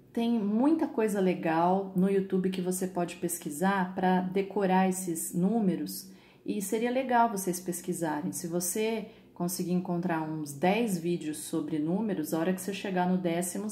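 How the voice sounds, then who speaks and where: A woman with a Brazilian Portuguese accent and a fairly low, dark voice teaches a recorded online English class from her home computer. Patient, she keeps checking in with "tá?" and "tá bom?", in an echoey room with faint background noise.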